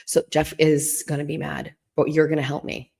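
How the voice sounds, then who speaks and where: Low-voiced woman chatting quietly at home. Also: little pitch movement, normal speed, gravelly, husky. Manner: talking low and hushed to keep from waking someone; chatty and rambling, full of asides and restarts. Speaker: live stream host. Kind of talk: casual rambling live stream chat.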